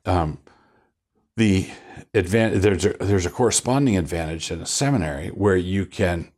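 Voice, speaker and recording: An older man, a pastor, talking in a relaxed studio interview, wandering through his points with restarts and a wry chuckle, on a lapel mic. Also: deep voice, moderate pace. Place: studio set with bookshelves.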